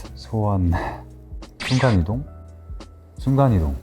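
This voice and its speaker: A man's fairly low voice with very wide pitch swings, at a very slow pace, over background music. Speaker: actor. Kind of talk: interview answer.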